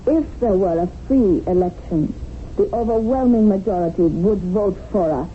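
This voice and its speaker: A woman's voice: medium pitch, normal speed, close to an everyday voice. An actress playing a stern, coldly righteous female revolutionary in a 1970s radio drama, severe and dogmatic in her delivery. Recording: muffled, noisy 1970s radio broadcast.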